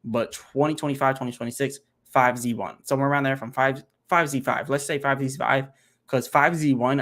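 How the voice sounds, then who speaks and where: A man hosting a casual livestream Q&A from his home computer, thinking aloud and working out numbers with many fillers. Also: mid-range voice. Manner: rambling, thinks aloud while doing math, many fillers. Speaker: crypto channel host. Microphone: home computer setup, single monitor.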